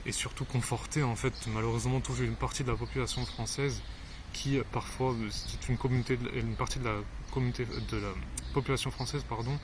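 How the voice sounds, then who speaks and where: A man with an average-pitched voice talks through his views off the cuff, stumbling over repeated words and filler sounds. A clear layer of noise runs behind him throughout the recording. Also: steady tone, brisk. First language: not Arabic. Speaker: commentator. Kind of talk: unscripted spoken commentary.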